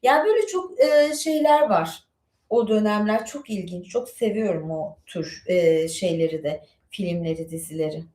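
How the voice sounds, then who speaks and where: A woman's voice: medium pitch, lively intonation, normal speed, dark tone, roomy sound. A woman chatting casually on a live stream and reading aloud from a book, digressing freely with many fillers. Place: home studio with bookshelves.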